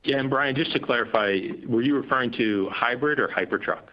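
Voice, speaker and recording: A man's voice: mid-range voice, a little fast. A man speaking as a company executive on an earnings call, explaining things in spontaneous business language with conversational tags. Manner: explanatory, frequent you know and right as tags. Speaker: company executive answering analyst questions. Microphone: conference call line. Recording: dull, lo-fi conference call audio.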